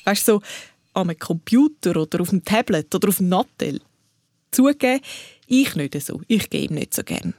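A woman's voice: medium pitch, animated, moderate pace, a little mellow, no echo. A woman tells a children's story and speaks to the listener in a chatty way. She has a mid-range voice. The recording is dry and close, with no room sound. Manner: chatty, addresses the listener directly. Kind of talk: scripted narration for children.

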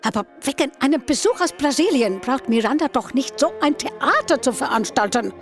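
A woman's voice: high voice, lively intonation, normal speed, soft background music. A woman playing a nosy, chatty onlooker with family from India, making wry, gossiping remarks in an audio drama.

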